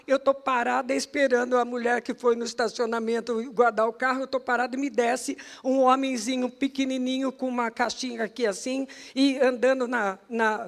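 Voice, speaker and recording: A middle-aged woman from Brazil with a Brazilian Portuguese accent, telling a personal testimony as a prophetess, lively, laughing often and repeating words as she goes. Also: on the high side. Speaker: prophetess and intercession leader.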